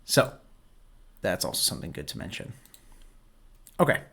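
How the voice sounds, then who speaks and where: Low, hoarse-voiced guy, laid-back coach talking over footage. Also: moderate pace. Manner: relaxed, explanatory, coaching tone. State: hoarse, voice worn from yelling. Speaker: host. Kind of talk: casual commentary over gameplay footage.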